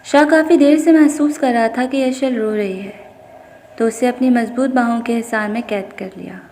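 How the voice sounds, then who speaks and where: Woman narrating a novel, higher voice. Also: dark tone, in a large hall, a little hiss or hum. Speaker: audiobook narrator. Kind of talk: scripted narration of a romance novel.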